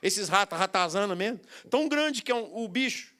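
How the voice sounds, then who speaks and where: Man, Brazilian Portuguese accent, high voice, preacher, lively storytelling sermon. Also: fairly quick. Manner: storytelling with quoted voices and laughter.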